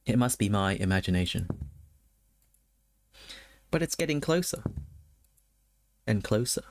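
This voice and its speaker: A man's voice: fairly low pitch, animated, unhurried, a little hiss or hum. A man doing a let's play, reading game text aloud and adding casual, wry asides to his chat. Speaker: game streamer.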